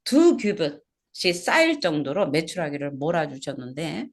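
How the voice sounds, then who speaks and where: A woman's voice: sits low, very animated, a little slow. A woman pastor preaching an expository sermon at a small church service, asking the congregation questions and repeating key words.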